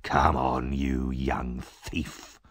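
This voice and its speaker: A man voicing a big, brutal thug who growls rough threats. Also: a bass voice, flat delivery, extremely slow, no echo, studio quality, voice pushed down, exaggerated voice. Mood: menacing.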